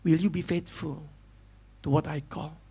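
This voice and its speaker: A man voicing the gentle, tender voice of a divine spirit, hushed and slow. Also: a little high, flat delivery, gravelly, slightly rough, voice pushed down, full character voice. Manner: slow, hushed and soft-spoken.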